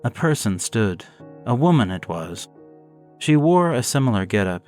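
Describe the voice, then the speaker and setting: A man narrating a first-person gothic horror story in a measured, solemn way, faint music underneath. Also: mid-range voice, big pitch swings, darkish tone.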